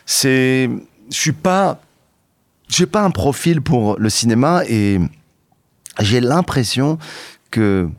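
A middle-aged man as a podcast guest, telling stories in a lively, halting way with bursts of excitement. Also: fairly low pitch, dry recording. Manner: animated storytelling, halting restarts, bursts of excitement. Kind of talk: candid interview talk.

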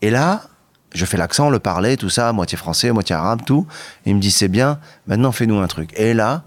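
A middle-aged man as a podcast guest, telling stories in a lively, halting way with bursts of excitement. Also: fairly low pitch, no room sound. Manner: animated storytelling, halting restarts, bursts of excitement. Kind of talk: candid interview talk.

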